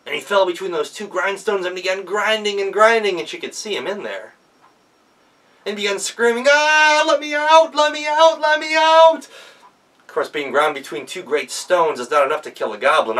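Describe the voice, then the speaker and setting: A man's voice: a little high, expressive, brisk, bright, forceful tone, recorded from a distance. A man narrating a folktale aloud in a theatrical storyteller's manner. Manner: theatrical, with emphatic sound words. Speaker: professional storyteller.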